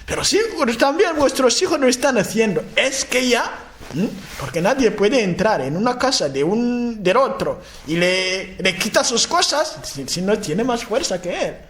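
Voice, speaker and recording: A man from Africa preaching a sermon, speaking in halting phrases, restarting and repeating words, often checking in with his listeners. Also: sing-song, fairly bright tone, a little hiss or hum. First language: a language of his homeland. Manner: chanting repeated proclamations with rising pitch.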